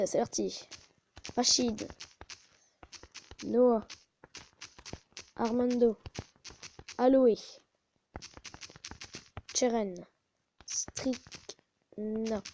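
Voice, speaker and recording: A woman's voice: on the high side, warm tone, slight background noise, low-quality recording. A woman hosting a casual gaming video, muttering to herself and often stopping to correct herself, recorded on a phone. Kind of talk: casual gameplay commentary.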